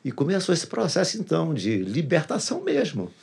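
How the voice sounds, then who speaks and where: A man's voice: a little high, huge pitch swings, a little fast, vocal fry, darkish tone, slightly rough. A pastor tells his personal testimony in a casual interview, earnestly repeating phrases for emphasis.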